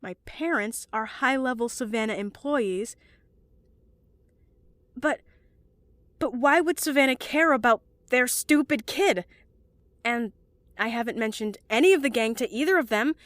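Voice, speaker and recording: A young woman playing an anxious, well-meaning student in an audio drama, earnest and given to halting, stammering speech. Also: a little high, fairly bright tone, dry recording. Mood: anxious, rambling. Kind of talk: audio drama acting, emotional monologue and dialogue.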